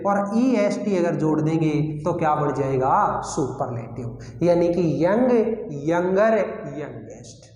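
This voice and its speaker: Male grammar teacher, high voice, quizzes then answers himself, long reverb, roomy classroom sound. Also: lively intonation, slow pace, few pauses, a little mellow. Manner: asks questions and answers them himself, repeats key words. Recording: echoey room with long reverb.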